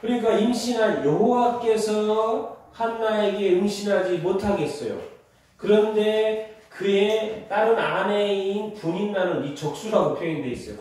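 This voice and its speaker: Pastor in a very echoey church. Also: male voice, high-pitched, a little mellow. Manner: teaching by quizzing the congregation and repeating answers; reads scripture aloud slowly together with the congregation. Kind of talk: Wednesday Bible study sermon. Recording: very echoey hall, mic far off.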